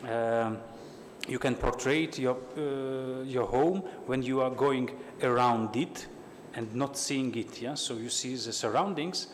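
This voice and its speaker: A man from Ukraine, a writer on a panel, speaking hesitantly and searching for his words. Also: medium pitch. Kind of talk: festival panel talk. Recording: hall reverb, faint noise.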